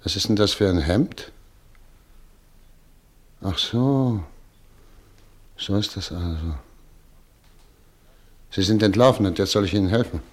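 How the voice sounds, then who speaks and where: An actor playing a composed, brisk professor of medicine, courteous but guarded, in a German radio play. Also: male voice, lowish voice.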